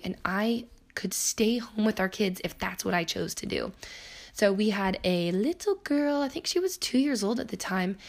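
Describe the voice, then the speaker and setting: Alone at the mic, a woman in her thirties narrates her own story like a casual chat, her mid-range voice hoarse and prone to cracking. Tangents pop up often, and so does her laughter.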